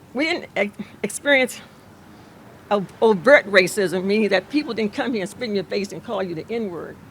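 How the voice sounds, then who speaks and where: Over noticeable background noise, a woman with an American accent talks at a moderate pace, her intonation lively and her loudness swinging widely. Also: medium pitch for a woman. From Alexandria, Virginia. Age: 70s. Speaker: community elder and descendant. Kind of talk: speech at outdoor ceremony. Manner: halting.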